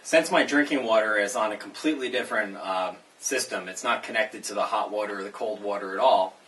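A young man narrating a hands-on plumbing demonstration, explaining each step in a relaxed, casual way with fillers. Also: fairly low pitch, brisk. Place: indoors in a tire-walled building under construction.

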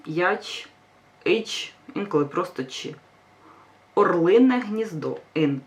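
A woman teacher giving a grammar lesson, patient and reassuring, stressing each example word. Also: on the low side. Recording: voice a bit far from mic.

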